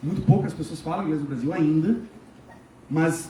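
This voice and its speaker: Audible room echo surrounds a man speaking at a fairly quick pace with a southern Brazilian accent. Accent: gaúcho accent noticeable. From southern Brazil, Porto Alegre. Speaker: education program representative. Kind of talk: presentation to parents at school event. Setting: amphitheater with audience. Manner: enthusiastic.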